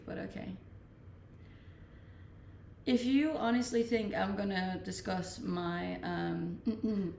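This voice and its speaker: A woman's voice: lowish voice, creaky, a little hiss or hum. A young woman from Denmark, a native Danish speaker, casually answering chat questions on a live stream, reading each question aloud before replying. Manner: relaxed, reads questions aloud then answers. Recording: roomy, distant-mic home stream.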